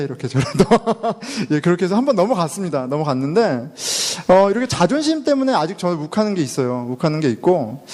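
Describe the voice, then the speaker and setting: Lively middle-aged pastor in a reverberant church. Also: male voice, on the high side. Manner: chatty, self-deprecating, laughs often, mixes in English words. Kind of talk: conversational sermon. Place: church sanctuary.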